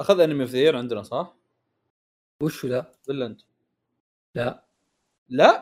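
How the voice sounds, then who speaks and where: With big swings in loudness and long, frequent pauses, a man talks at a fairly slow pace and a fairly high pitch, with ordinary pitch variation. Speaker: podcast host. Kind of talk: casual chat.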